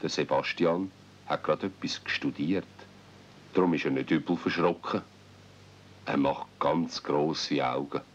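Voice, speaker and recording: A man's voice: extremely low pitch, fairly even intonation, unhurried. A man with a Swiss accent narrating a children's radio play as a storyteller. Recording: dull, faintly noisy old cassette recording.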